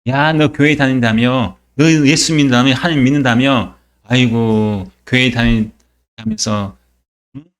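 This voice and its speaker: A man's voice: medium pitch, steady tone, racing, long pauses, dark tone, voice pushed down, lightly acted. A male pastor voicing a scornful unbelieving neighbor who taunts a churchgoer, inside a sermon. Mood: mocking. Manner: sneering, taunting.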